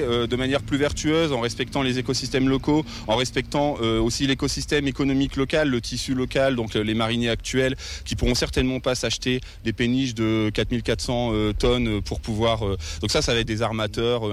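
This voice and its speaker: A man's voice: medium pitch, slight background noise. A young man from northern France, an ecologist activist answering interview questions earnestly, with many hesitations. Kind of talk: interview at a protest.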